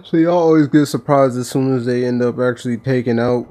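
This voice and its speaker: A man's voice: medium pitch, fairly quick, mellow. A man giving casual, slangy and profane commentary while playing a video game. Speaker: gaming video host. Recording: faint game music behind.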